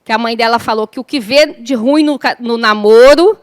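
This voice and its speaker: A woman's voice: a little high, moderate pace. A middle-aged woman teaching a spiritist course to a class in an informal, chatty way, with joking asides and many tag questions.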